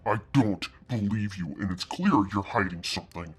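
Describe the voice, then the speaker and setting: A man reading a story aloud and voicing a smug, cruel male devil who mocks and threatens in a husky, sneering drawl. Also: low voice, moderate pace, faint music behind. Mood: menacing. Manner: mocking drawl that turns to quiet threats.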